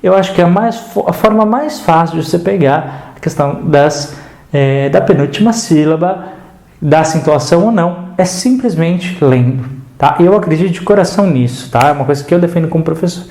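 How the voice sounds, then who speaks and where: A man's voice: a little high, brisk, vocal fry, darkish tone, reverberant. A man with a Brazilian Portuguese accent teaching an online grammar lesson, chatty and checking in often with the viewer.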